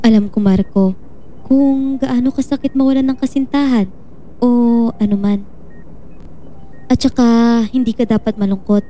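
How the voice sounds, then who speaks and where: An actress playing a gentle, reassuring woman doctor in a Filipino audio drama, speaking patiently and supportively. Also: a little high, normal speed, pauses often, lightly acted. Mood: sympathetic.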